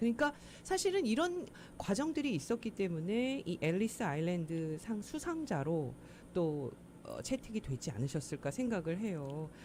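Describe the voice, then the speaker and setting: A somewhat breathy woman speaks at a medium pitch and a moderate pace with a dark, mellow tone. Her pitch swings very widely. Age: young. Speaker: radio host. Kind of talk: interview.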